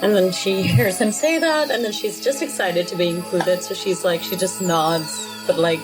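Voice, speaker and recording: Lower-pitched casual woman, music underneath. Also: normal speed, poor audio. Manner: casual, piecemeal phrasing full of "like". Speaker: tabletop game player. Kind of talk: casual third-person narration of her character.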